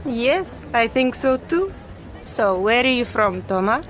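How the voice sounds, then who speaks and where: A woman playing a friendly young female tourist in a slow, clearly spoken lesson dialogue. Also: a little high, big pitch swings, a bit bright, faint music behind, full character voice.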